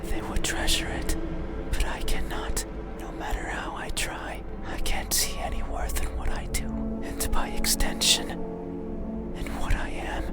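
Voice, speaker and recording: An actor voicing an ancient, melancholy male demon in a visual novel, speaking in a breathy whisper with slow, solemn, formal phrasing. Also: medium pitch. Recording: loud music behind the voice.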